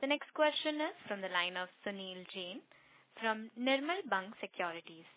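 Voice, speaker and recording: A woman's voice: medium pitch, expressive, moderate pace. A woman working as a conference call operator, making formal scripted announcements. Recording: distant narrow phone line.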